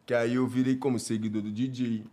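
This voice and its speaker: A man's voice: medium pitch, level tone, brisk, crowd noise. A man with a Brazilian Portuguese accent telling a comic story in slangy casual chat, acting out voices and sound effects.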